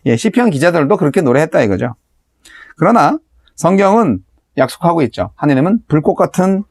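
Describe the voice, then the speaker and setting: A man's voice: on the high side, a little mellow, no room sound, clean studio sound. A man, a pastor, giving a daily Bible teaching in a conversational preaching style, asking the listeners rhetorical questions.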